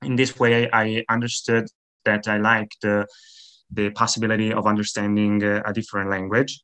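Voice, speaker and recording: A man's voice: on the low side, flat delivery, moderate pace, a bit bright, clean tone. A man in his twenties, a native Italian speaker, answering interview questions in a friendly, hesitant way with many fillers. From Italy. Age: 20s. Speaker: guest, language teacher and YouTuber.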